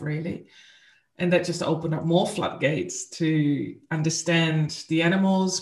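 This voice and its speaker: A woman's voice: deep voice, darkish tone. Earnest woman in an echoey room. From Netherlands. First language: Dutch. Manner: earnest, unhurried storyteller. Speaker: guest, spiritual coach. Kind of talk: storytelling in an interview.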